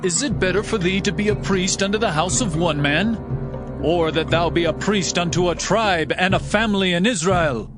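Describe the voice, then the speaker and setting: A man's voice: sits high, normal speed, over music, natural voice. A man playing a commanding, persuasive tribal raider, speaking insistently and declaiming in a dramatized scripture reading.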